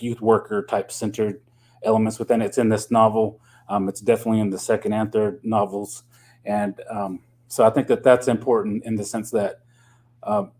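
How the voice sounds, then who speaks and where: A man's voice: lowish voice, darkish tone. A middle-aged man from Oklahoma, a novelist, talking loosely and thoughtfully in a radio interview, with many ums and you-knows. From Oklahoma, USA. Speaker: novelist guest.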